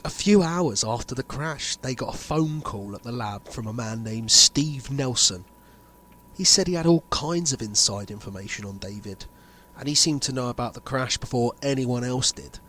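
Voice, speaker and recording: A man playing a grave insider revealing a sinister conspiracy in an amateur audio drama, speaking deliberately with dramatic pauses. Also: mid-range voice, animated, fairly bright tone, slight background noise, close to an everyday voice. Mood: explanatory, intent.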